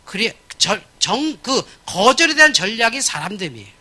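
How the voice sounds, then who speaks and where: Pastor guy in his 50s lecturing at church, blunt, acts out voices, bright lively voice. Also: sits high, normal speed.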